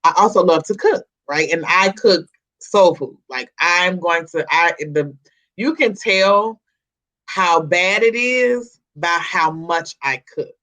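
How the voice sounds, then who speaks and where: Forty-something woman talk host, bright tone, chatty, laughs easily. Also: fairly low pitch, slow pace. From Chicago. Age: 40s. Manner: lively, laughs often, repeats herself. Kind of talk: casual interview chat.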